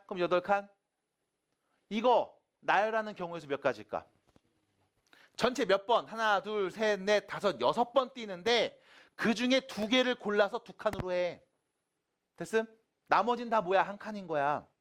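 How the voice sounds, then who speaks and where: A man's voice: high voice, lively intonation, normal speed, pauses often, a bit bright. A man working through exam math problems as a teacher, informal and often checking understanding with short questions, his articulation slightly slurred as if after dental work. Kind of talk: exam problem explanation to students.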